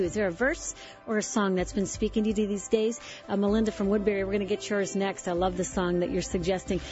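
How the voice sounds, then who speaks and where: A woman hosting a Christian call-in radio show, talking in an upbeat, encouraging way; she has a low voice and is coming down with a cold. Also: a little mellow, highs cut off. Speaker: radio host.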